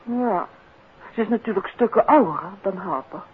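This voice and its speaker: An actress playing a detective's curious, teasing wife in a 1950s Dutch radio play, with a Netherlands accent. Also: female voice, mid-range voice, expressive, normal speed, slightly rough. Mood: wry, teasing. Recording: tinny, noisy 1950s radio recording.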